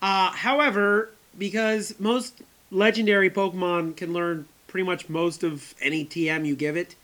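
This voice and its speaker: A woman's voice: on the low side, steady tone, moderate pace, fairly bright tone. A woman co-hosting a casual podcast in a playful, upbeat way with plenty of fillers. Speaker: podcast co-host.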